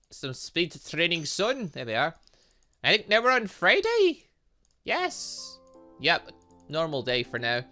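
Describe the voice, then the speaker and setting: A young man hosts a casual gaming commentary in a bright, forceful voice. His pitch moves up and down a lot as he rambles, thinks aloud and mutters little filler sounds to himself. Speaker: gaming channel host. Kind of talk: casual let's play commentary on a visual novel game.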